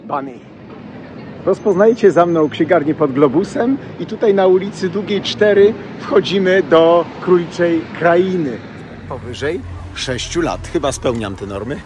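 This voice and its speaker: A man's voice: fairly high pitch, unhurried, noisy background. A middle-aged man, a city tour guide, chatting to a phone at arm's length as he walks outdoors, with many fillers. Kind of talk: walking vlog to camera. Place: outdoors on a busy city street. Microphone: phone held at arm's length, selfie. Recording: background music over the street sound. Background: clear music.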